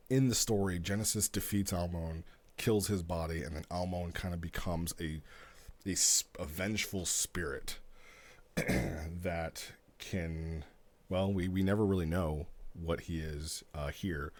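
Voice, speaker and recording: Man, very low voice, casual streamer commentary, explanatory, storytelling manner. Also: fairly even intonation, measured pace. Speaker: streamer reviewing roleplay stories.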